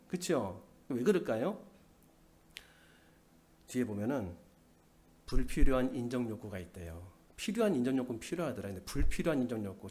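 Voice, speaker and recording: A middle-aged man preaching a sermon in a church, asking the congregation questions and answering them himself, with loud bursts and quiet asides. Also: medium pitch. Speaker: pastor. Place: church sanctuary.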